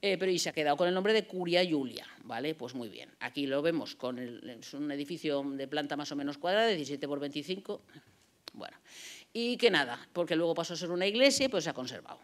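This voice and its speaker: The speech moves at a fairly quick pace with lively intonation. Loudness swings widely from moment to moment. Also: woman, very deep, low pitch for a woman. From Valencia, Spain; Spain. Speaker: retired art history professor; lecturer. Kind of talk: lecture. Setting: lecture hall with audience and microphone. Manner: fast. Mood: relaxed, amused at end. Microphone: podium.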